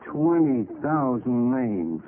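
Menacing American crook, vintage radio. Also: male voice, mid-range voice, very animated, takes it slowly. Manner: tough, drawling gangster slang. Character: menacing crook pressuring an old partner into a job. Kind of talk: 1940s radio acting. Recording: muffled hissy 1940s radio recording.

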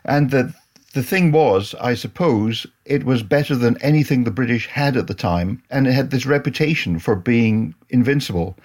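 A man speaking as a historian guest on a podcast, giving measured, explanatory answers. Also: mid-range voice, darkish tone.

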